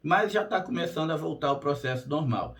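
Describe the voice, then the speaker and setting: Hoarse man, direct and casual. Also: on the high side, lively intonation, fairly quick, fairly bright tone. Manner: direct and plain-spoken, frequent "tá?" check-ins. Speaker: spiritual therapist and channel host. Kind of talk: casual monologue to camera.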